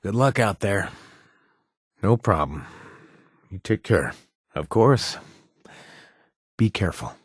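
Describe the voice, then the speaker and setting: A husky, joking ex-raider game companion, low voice, very expressive, dry booth sound. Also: male voice, slow, long pauses, no echo, exaggerated voice. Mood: caring. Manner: joking, warm and protective. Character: wry ex-raider man, friendly informant. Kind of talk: video game voice lines.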